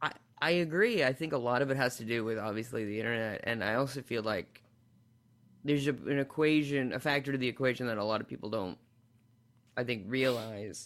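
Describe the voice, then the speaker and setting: Delivered at a fairly quick pace with ordinary pitch variation, this is a plain, everyday voice on a very clean recording with a silent background. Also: man, medium pitch for a man. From Minnesota. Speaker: comedian. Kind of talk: casual chat.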